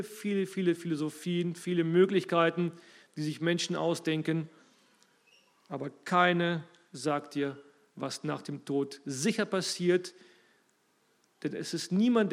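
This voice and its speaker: A man preaching a sermon, emphatic and rising and falling in loudness, speaking straight to his listeners. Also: fairly high pitch, gravelly.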